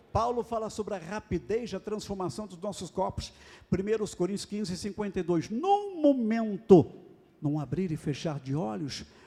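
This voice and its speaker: The voice has a dark, mellow tone, lively intonation, big swings in loudness and a moderate pace. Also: man, high pitch for a man. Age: 60s. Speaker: pastor. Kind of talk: sermon.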